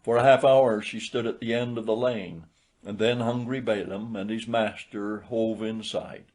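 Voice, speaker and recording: Measured male storyteller. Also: on the low side, fairly even intonation, a little mellow. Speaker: audiobook narrator. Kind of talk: scripted literary story narration.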